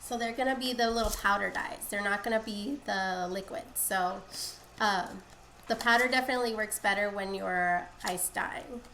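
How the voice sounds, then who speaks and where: A woman with a cold, her voice congested and nasal, chats her way through a casual live-stream dyeing tutorial at home as a craft streamer. Her medium-pitched voice is pushed and bright at normal speed, her explanations rambling. The room is echoey with faint hiss.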